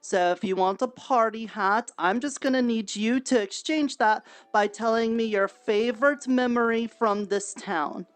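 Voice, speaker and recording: A woman's voice: a little high, measured pace, hardly any pauses. A woman playing a merchant guild character in a roleplay, chatty and bubbly, with trailing fillers.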